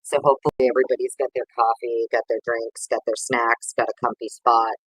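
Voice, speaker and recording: A man's voice: mid-range voice, flat delivery, a little fast, a bit bright, breathy edge, no room sound, poor audio. A man hosting a casual livestream, chatting with viewers in a rambling, over-caffeinated, sweary way. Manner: informal, sweary slang. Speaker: livestream host.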